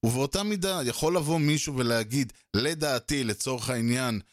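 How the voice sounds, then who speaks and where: A man's voice: medium pitch, no room sound, clean studio sound. A man hosting a solo podcast, talking through his thoughts in a loose conversational way, with lots of fillers and restarts, and often acting out both sides of an argument. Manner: conversational, many fillers and restarts, acts out quoted exchanges. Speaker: podcast host.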